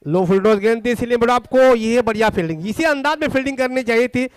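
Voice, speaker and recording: Live cricket commentary from an Indian man whose voice is very high-pitched, smooth and clear. He's excited, tracking each ball and repeatedly updating the score, speaking quickly with no echo.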